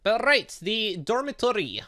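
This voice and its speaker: With a high, sing-song, sharp-toned voice at a measured pace, a man hosts a gaming video. He reads visual novel dialogue aloud in a let's play, chatting and reacting in between.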